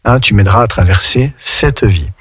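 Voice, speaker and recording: A man's voice: on the low side, expressive, moderate pace, husky, no room sound. A man with a French accent teaching English on the radio, patiently explaining lyrics and spelling words out letter by letter. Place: radio studio.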